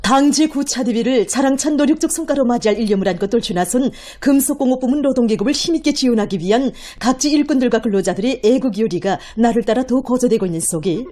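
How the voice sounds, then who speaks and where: A woman's voice: a little high, dark tone, a little hiss or hum. A woman with a North Korean accent narrating formal broadcast news in an emphatic, declamatory cadence.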